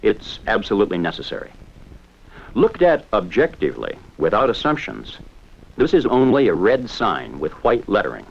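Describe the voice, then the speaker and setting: A man giving measured, explanatory scripted narration for a 1970s educational film. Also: on the low side, sing-song, gravelly, slightly rough, lo-fi sound.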